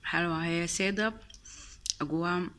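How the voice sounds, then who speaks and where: A woman's voice: lowish voice, steady tone, normal speed, a bit bright, a little hiss or hum. Chatty Egyptian woman gushing over sweets. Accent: Egyptian Arabic. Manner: chatty and gushing, repeats words for emphasis; sprinkles in English and French words. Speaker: vlogger. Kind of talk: casual taste-test chat.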